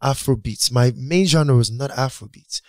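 A man's voice: medium pitch, normal speed, no echo. Laid-back Nigerian-born man in dry studio. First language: Yoruba. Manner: reflective, loose and rambling. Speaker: guest musician. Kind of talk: casual interview talk.

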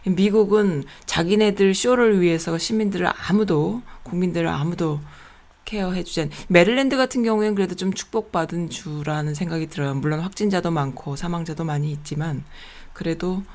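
A man's voice: sits high, brisk. A man interviewing in a casual chat, listening attentively and putting in frequent short words of agreement.

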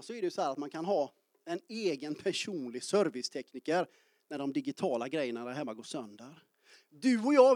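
Man, early forties, pastor, sermon in a church, playful call-outs to the congregation, high voice, dry sound. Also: dry recording. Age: 40s. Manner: lively, joking, calls out to the congregation.

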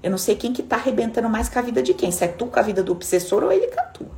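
Brazilian woman coach, blunt and profane, lively swooping pitch, gravelly edge. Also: very fast. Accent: Brazilian Portuguese. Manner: blunt, profane, dramatic, acts out inner voices. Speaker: self-help coach. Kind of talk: live motivational talk.

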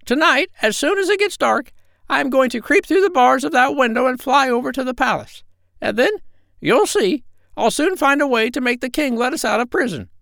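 A man voicing a small, proud, sly female parrot in a shrill, squawky voice for a storybook. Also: expressive, moderate pace, creaky, pushed and bright, dry recording, clean studio sound, full character voice. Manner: boastful, cunning.

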